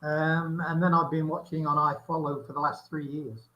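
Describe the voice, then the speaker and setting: An older man from Nottinghamshire, England, who speaks as a podcast guest over a video call, reminiscing in a measured, unhurried way. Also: fairly high pitch, little pitch movement, muffled recording. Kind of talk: casual reminiscing chat.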